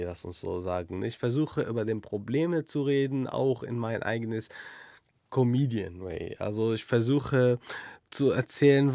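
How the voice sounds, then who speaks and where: A young man, a comedian answering interview questions in halting with many fillers. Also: medium pitch, darkish tone, dry recording, clean studio sound. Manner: halting non-native German, thinks aloud with many fillers.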